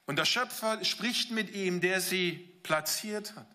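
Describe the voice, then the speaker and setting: A man delivers a sermon in a bright, clear voice that sits somewhat high for a man. He talks directly and conversationally to the congregation. At times he acts out the characters' words in paraphrase. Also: slow. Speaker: preacher.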